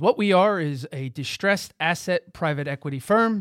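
A man with an American accent talks at a moderate pace with ordinary pitch variation in an unremarkable speaking voice. The recording is very clean, with a silent background. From US tri-state area (New York/New Jersey). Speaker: private equity investor relations director. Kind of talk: podcast interview.

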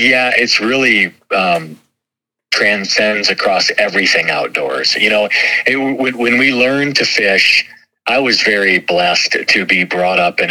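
At a moderate pace, a man talks in an ordinary speaking voice with lively intonation and very even loudness. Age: 50s. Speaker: fishing industry representative. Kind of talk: casual interview.

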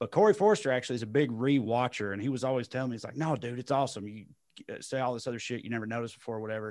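On a very clean recording with a silent background, a man with a Southern US accent and a medium pitch talks at a very fast pace. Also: ordinary pitch variation. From US South. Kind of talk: casual chat. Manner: rambling.

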